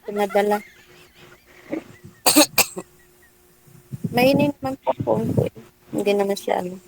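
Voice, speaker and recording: A woman's voice: mid-range voice, slow, creaky, noisy background. A woman calling in on her cellphone without a headset, chatting loosely and trailing off. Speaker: caller. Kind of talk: casual chat on a phone call. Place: home with an electric fan running.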